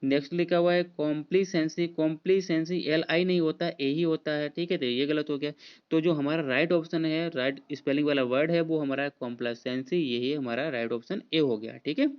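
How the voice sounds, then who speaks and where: Man, exam prep teacher, spells words letter by letter, fairly high pitch, dull muffled recording. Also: steady tone, fairly quick, clear, resonant tone. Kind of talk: spelling quiz walkthrough.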